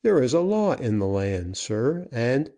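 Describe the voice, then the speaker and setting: A man's voice: medium pitch, very animated, unhurried, warm tone, pitched above the performer's own voice. A man voicing an indignant male lawyer raising an objection.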